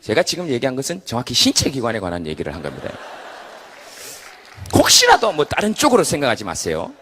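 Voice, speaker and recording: A man giving a comedic stage talk to a live audience, an animated storyteller who acts out the voices he quotes. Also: medium pitch, quick pace, a little hiss or hum. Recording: long hall reverb.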